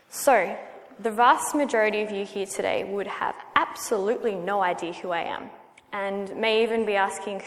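An Australian woman in her thirties, praying and then giving her personal testimony as a guest speaker in a church, earnest and measured. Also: mid-range voice, fairly bright tone. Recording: long hall reverb.

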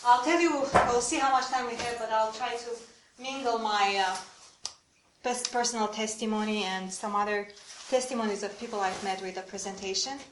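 A woman's voice: fairly high pitch, normal speed, slight background noise. A woman from Romania, leading a church workshop on prayer and drawing the audience in with questions. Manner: engaging, asks the audience questions. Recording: echoey room.

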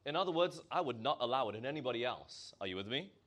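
A man's voice: medium pitch, animated, quick pace, fairly bright tone. A male preacher with a Malaysian accent, delivering a sermon and asking his congregation questions as he stresses key words.

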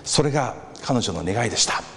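Animated male preacher in a hall. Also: medium pitch, fairly quick. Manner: animated storyteller acting out crowd voices. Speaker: pastor. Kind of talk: sermon with storytelling. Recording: reverberant hall with faint background noise.

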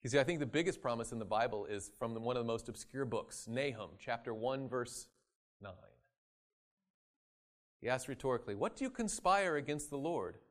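A man preaching a sermon, acting out quoted voices and swinging from loud emphasis to quiet asides. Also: medium pitch, expressive, fairly quick. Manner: dramatic, acts out voices in quoted scripture.

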